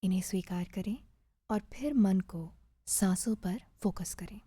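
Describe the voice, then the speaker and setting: A woman narrating a guided meditation in a soft, breathy, soothing voice, measured and with gentle pauses. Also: mid-range voice, no echo, clean studio sound.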